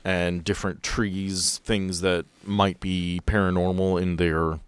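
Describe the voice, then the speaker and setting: Game master, male, low register, relaxed improvised storytelling with playful touches, very dry studio-like sound. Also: slow, clear, resonant tone, no room sound. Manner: playful, conversational. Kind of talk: casual improvised tabletop narration.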